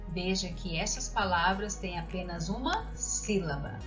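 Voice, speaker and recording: Teaching grammar to kids, this woman reads example words aloud and poses questions in a slow, careful way, spelling things out. Her pitch is medium and her tone fairly bright. Faint music plays beneath a dull, lo-fi recording.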